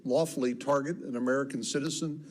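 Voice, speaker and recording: A man's voice: medium pitch, fairly even intonation, fast, slight background noise. Man questioning at a hearing. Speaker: senator questioning.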